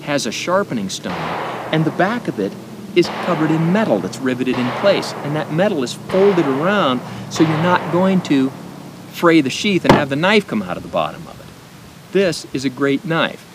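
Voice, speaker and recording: A middle-aged American man with a speech impediment, giving an informal gear demonstration with deliberate pauses. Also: sing-song. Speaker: knife and gear reviewer. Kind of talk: informal product demonstration to camera. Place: outdoors at a picnic table in woods. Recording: outdoor noise with low rumble.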